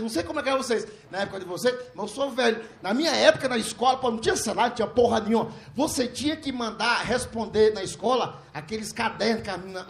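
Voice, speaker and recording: A middle-aged man telling a profane stand-up comedy story on a live stage, laughing through his lines and shouting when he acts out the people in it. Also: high voice, vocal fry, a little hiss or hum. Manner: loud, laughing, animated, profane, slips into shouted voices for characters.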